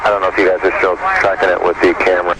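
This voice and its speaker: A shuttle commander reporting live over a space-to-ground radio transmission, halting and full of fillers as he carefully describes what he sees. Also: sits low, monotone. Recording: hissy noisy radio downlink.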